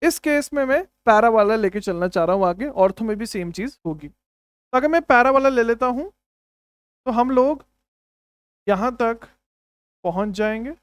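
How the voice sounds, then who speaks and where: A young man teaches chemistry in an exam-prep lecture, pressing his points and repeating key phrases. His voice is smooth and clear, recorded close in a dry room. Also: very high-pitched, animated, normal speed, long pauses, no room sound. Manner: emphatic, repeats key phrases, calls students "my brother".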